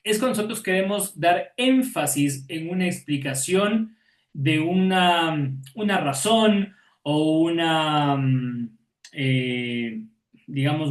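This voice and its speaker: A man's voice: a little high, echoey room. A man teaching an online class, patiently explaining and checking in with his students after every point.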